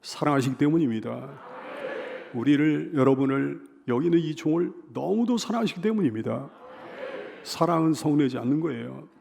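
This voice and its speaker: A man's voice: fairly high pitch, gravelly, mellow, a little hiss or hum. A male pastor delivering a Sunday sermon, emphatic and repeating his exhortations with rhetorical questions to the congregation.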